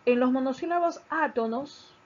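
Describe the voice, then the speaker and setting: Husky-voiced woman teaching a lesson. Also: high voice. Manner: slow, explanatory, stresses key syllables and repeats points. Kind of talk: recorded grammar lesson. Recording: dull lo-fi recording.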